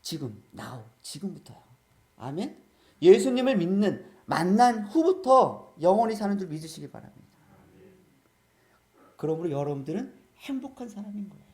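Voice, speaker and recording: A man's voice: sits high, sing-song, moderate pace, warm tone. A man preaching as a pastor in church, throwing questions at the congregation and calling for amens. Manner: peppers the congregation with questions and calls of amen. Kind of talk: sermon.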